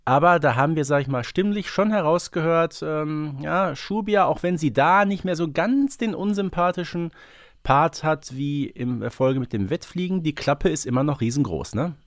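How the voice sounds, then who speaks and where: A man's voice: fairly high pitch, lively intonation, moderate pace, dry recording. Man hosting a podcast, dry close sound. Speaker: podcast host. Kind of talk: conversational fan discussion.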